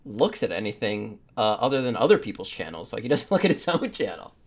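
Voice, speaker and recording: A man's voice: on the low side, sing-song, fast talker. A man co-hosting a podcast, talking casually in a discussion. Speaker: podcast co-host.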